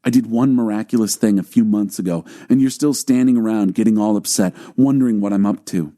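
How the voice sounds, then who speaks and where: A man as a bold, emphatic religious teacher, mellow. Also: fairly low pitch, a little fast, lightly acted. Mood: challenging, exasperated. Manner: emphatic, declarative, challenging. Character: male religious teacher, bold, challenging, insistent. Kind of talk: audiobook dramatized scripture reading.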